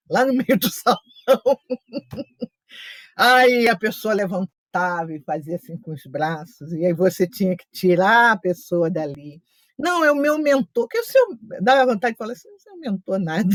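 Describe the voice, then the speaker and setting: Chatty, lively woman teaching. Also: mid-range voice, no room sound. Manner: chatty storytelling with asides and quoted remarks. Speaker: study group leader. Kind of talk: casual teaching talk.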